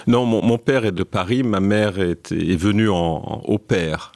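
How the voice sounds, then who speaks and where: A man being interviewed as a guest, speaking in a halting, hesitant way with many restarts, and sounding a little tired. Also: on the low side, darkish tone, no echo. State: a bit tired. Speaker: NGO co-founder, guest. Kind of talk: interview conversation.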